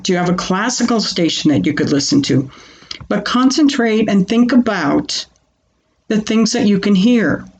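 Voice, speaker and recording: A woman calmly talking listeners through a grounding exercise in an informal, conversational way, using questions and personal asides. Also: mid-range voice. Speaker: presenter of a self-help grounding exercise. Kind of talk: conversational self-help talk teaching a calming grounding exercise.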